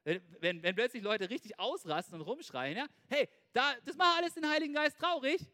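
A male preacher with a high, bright voice that swoops up and down as he talks. He preaches in a casual, animated way, turning to his listeners again and again with a quick question. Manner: animated, asks listeners "ja?" constantly. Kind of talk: informal sermon.

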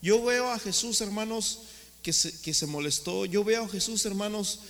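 A man's voice: high-pitched, moderate pace, fairly bright tone, in a large hall. A man preaching a sermon as pastor, asking rhetorical questions and calling the congregation brothers. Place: church hall.

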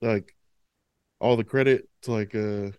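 A man's voice: on the low side, steady tone, unhurried, a little mellow, clear, resonant tone, no echo. A man chatting on a podcast in a slangy, profane, emphatic way. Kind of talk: casual podcast chat.

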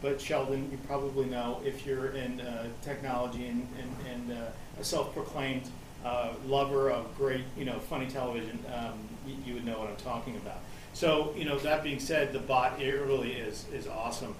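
A man's voice: medium pitch, fairly even intonation, moderate pace. A man hosting a panel, chatting with rambling asides and many fillers. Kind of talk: casual panel talk. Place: studio room. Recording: roomy, distant and noisy.

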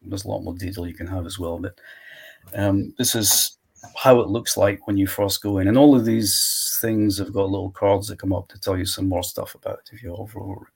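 A man walking through his software tool in a live screen-share demo, thinking aloud step by step. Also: sits low, fairly even intonation, fairly quick, creaky, breathy edge. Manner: walks through steps aloud, thinking as he goes.

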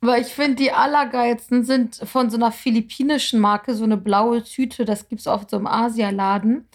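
A woman's voice: on the high side, moderate pace. A woman from northern Germany hosting a podcast, chatting casually with slangy enthusiasm. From Kiel, northern Germany. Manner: slangy and enthusiastic, animated anecdotes. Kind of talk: casual chat.

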